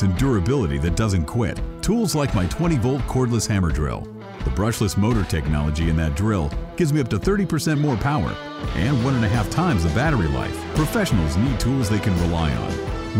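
A man plays a tough, proud tradesman in a radio tool ad. His lowish voice moves expressively over guitar music. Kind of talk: scripted tool commercial.

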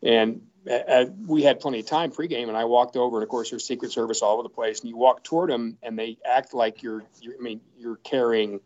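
Man, sports broadcaster, storytelling, mid-pitched voice, dull lo-fi audio. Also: fairly even intonation, a little fast, few pauses, a little mellow. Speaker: sports broadcaster and podcast regular. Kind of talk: casual storytelling chat.

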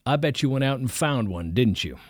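A man voicing a blunt, gruff older male preacher with a folksy, commanding way of talking. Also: mid-range voice, expressive, brisk, dry recording, clean studio sound, natural voice.

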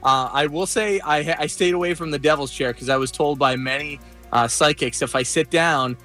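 A man with a slightly high voice reports live on a radio show. He tells his story casually and haltingly, restarting phrases, over faint music. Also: pushed and bright.

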